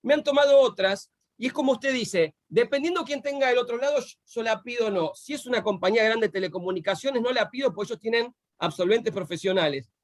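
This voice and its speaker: High-voiced male host. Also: fast, few pauses, no room sound. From Argentina. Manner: courteous, chatty, reads off names. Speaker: interview host. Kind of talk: live online interview.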